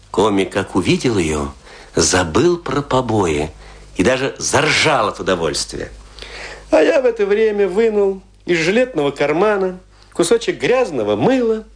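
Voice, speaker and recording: An actor playing a boastful, scornful provincial tragedian in a radio play, telling his tales theatrically with emphatic, pointed pauses. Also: mid-range voice, natural voice. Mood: gleeful menace. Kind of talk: dramatic radio play monologue.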